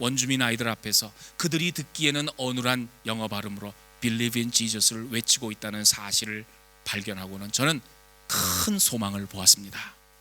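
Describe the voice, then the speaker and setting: With music in the background, the man keeps a moderate pace and ordinary pitch variation. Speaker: missionary. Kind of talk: sermon.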